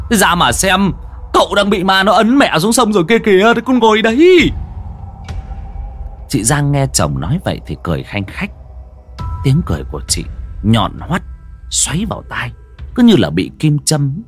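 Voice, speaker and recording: Dramatic storyteller man. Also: fairly low pitch. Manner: dramatic, expressive. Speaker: narrator. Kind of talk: ghost story narration.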